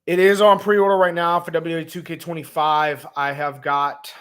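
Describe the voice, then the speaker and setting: A man who is hoarse and raspy, hosting a laid-back gaming vlog livestream with lots of ums, talking to viewers as man and bro. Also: on the high side, flat delivery, moderate pace, a bit bright. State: hoarse, lost voice. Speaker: gaming vlogger host. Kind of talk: casual livestream chat.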